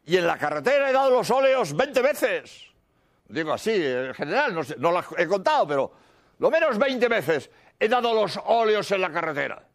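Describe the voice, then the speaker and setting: A priest preaches in a high, strongly rising and falling voice. He repeats his points with earnest insistence and sinks to a soft murmur when he recites prayers. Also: very animated, moderate pace. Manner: earnest, repetitive, drops to a hushed murmur for prayers. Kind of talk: sermon.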